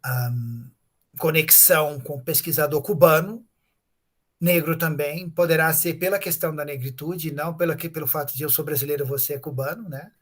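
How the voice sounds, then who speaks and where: A man's voice: a little high, normal speed. A man with a Brazilian Portuguese accent, a professor giving a conference lecture in an explanatory way, with many fillers and tag questions. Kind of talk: academic lecture, unscripted.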